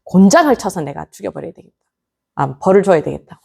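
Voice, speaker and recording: A woman voicing a hot-tempered poor scholar who shouts furious threats while telling a folk tale. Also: sits high, very animated, quick pace, creaky, breathy edge, full character voice.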